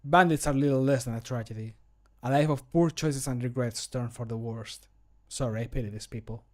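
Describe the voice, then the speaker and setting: Man acting a somber, slow-spoken fantasy adventurer. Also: mid-range voice, steady tone, darkish tone, natural voice. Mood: somber, pitying. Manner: slow, dramatic, gapped delivery. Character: somber, pitying male fantasy game adventurer. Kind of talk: scripted game voice line. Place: small home room.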